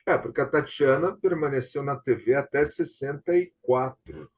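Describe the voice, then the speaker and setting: A man's voice: mid-range voice, normal speed. A Brazilian man hosting a casual online conversation, telling anecdotes in a rambling way with frequent tag questions. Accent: Brazilian Portuguese. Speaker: host of an online tribute talk. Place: online video call. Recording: dull, lo-fi video call audio.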